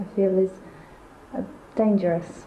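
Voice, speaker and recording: At a fairly quick pace, a woman speaks at a medium pitch with noticeable background noise behind her. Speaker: Alexander Technique practitioner. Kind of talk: conversational answer in a demonstration. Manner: soft-spoken, hesitant.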